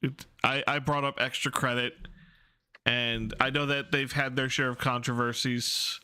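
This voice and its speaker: A man's voice: medium pitch, flat delivery, measured pace, bright, forceful tone, clean tone. A man streaming his game development, chatting casually and hesitantly with lots of "like" and "uh". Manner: hesitant, filler-heavy, self-deprecating laughs. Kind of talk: casual live-stream chat.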